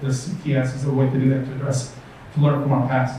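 A man talks at a fairly quick pace in a fairly high, flat, monotone voice, with audible room echo and noticeable background noise. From immigrant, grew up in the US. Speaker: city council candidate. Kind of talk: candidate forum answer. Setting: church hall with audience.

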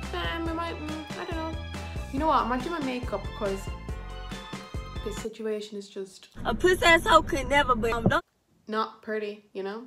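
Clear music plays behind a woman talking at a moderate pace. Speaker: vlogger. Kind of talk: casual vlog chat. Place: home room. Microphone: phone near.

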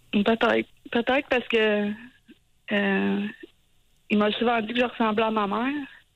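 Fairly slow, flat, monotone speech broken by long, frequent pauses. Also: woman. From Quebec. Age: 40s. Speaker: nurse. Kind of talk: call-in radio show. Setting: phone call.

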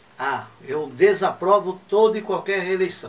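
A man's high-pitched voice with lively intonation. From São Paulo city and Guarulhos, Brazil; São Paulo, Brazil. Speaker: lawyer. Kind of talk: TV interview. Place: studio.

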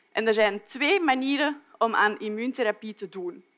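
A woman speaks at a fairly slow pace. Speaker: scientist lecturer. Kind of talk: lecture. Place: stage. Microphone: headset.

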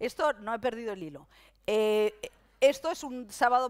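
Over a quiet background, a woman speaks with lively intonation and an animated tone. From Madrid, Spain; Spain. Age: 50s. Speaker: film critic and journalist; journalist. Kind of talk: conference talk. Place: stage. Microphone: headset.

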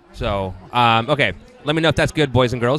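A man's medium-pitched voice with ordinary pitch variation, a dry sound with no echo, and light background noise. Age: 40s. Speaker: podcast host. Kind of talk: casual chat. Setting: pub. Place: home room. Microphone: handheld.

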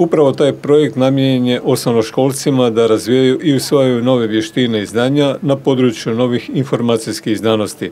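Delivered at a fairly quick pace with hardly any pauses, the voice has a dark, mellow tone, very even loudness and fairly even intonation. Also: man, medium pitch for a man. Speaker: news reporter. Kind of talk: news reading. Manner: formal.

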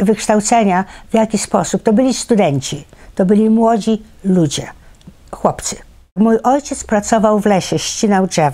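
A woman talks at a moderate pace with a dark, mellow tone, very even loudness and ordinary pitch variation. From Poland, eastern borderlands (Tarnopol region). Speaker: Siberian deportation survivor. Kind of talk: oral history interview answer. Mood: calm, reflective remembering. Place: home room.

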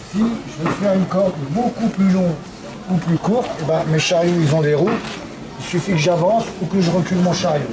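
Through noticeable background noise, a man talks at a fairly quick pace with ordinary pitch variation. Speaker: costumed craft demonstrator. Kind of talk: live craft demonstration explanation. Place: open country. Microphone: camera far.

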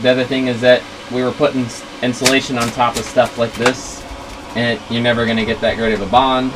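Noticeable noise runs in the background. A man speaks over it at a fairly quick pace. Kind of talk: casual vlog chat. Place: boat. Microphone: camera far.

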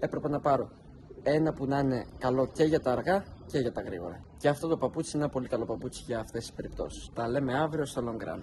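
Through noticeable background noise, a somewhat breathy man speaks at a fairly quick pace with ordinary pitch variation. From Thessaly, Greece (Elassona, Larissa); Thessaly, Greece. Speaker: amateur runner and YouTuber; YouTuber. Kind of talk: vlog narration.

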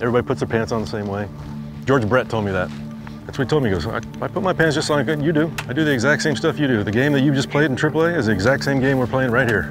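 A man at a very fast pace, dry sound with no echo, clear music in the background. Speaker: guest baseball instructor. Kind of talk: coaching advice. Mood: earnest, encouraging. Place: stadium. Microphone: lapel.

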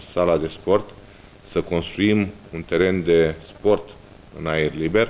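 The man's very deep, low voice keeps a monotone, flat intonation at a fairly slow pace. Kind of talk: press conference statement. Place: meeting room. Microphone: handheld.

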